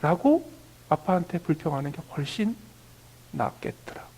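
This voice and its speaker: Gravelly Korean pastor, hushed delivery. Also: male voice, animated, normal speed, low-quality recording. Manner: drops to a near whisper on key phrases, then rises again; acts out quoted family dialogue in a higher, louder voice. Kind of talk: sermon.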